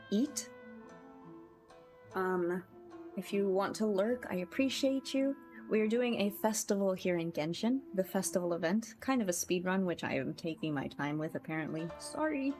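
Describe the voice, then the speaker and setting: A woman's voice: medium pitch, animated, normal speed, a little mellow. Female game streamer, casual and effusive with viewers, mid-range voice, music underneath. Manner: effusive, grateful, chatty with viewers. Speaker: game livestreamer and content creator. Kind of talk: casual livestream chat with viewers. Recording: music playing behind the voice.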